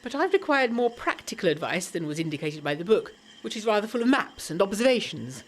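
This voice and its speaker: A woman's voice: mid-range voice, fairly quick. An actress playing an earnest, anxious young Englishwoman of the 1920s, reading her letter in formal, articulate English tones for a gothic audio drama. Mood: reflective. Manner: formal, articulate, expressive period diction.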